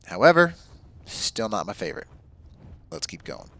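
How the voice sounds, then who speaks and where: A man with a low voice narrates a game walkthrough, keen and chatty as he points out spots to his viewers. He talks to them directly in a relaxed, casual way. A faint hiss of background noise sits under the recording. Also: moderate pace. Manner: enthusiastic, casual, addresses viewers as guys. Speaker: gaming channel host.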